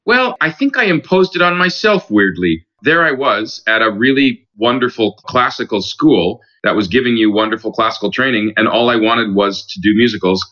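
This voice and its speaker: A man, a stage actor, telling relaxed, reflective stories as a podcast guest, with easy laughs. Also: mid-range voice, moderate pace, few pauses, dull audio. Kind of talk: conversational interview.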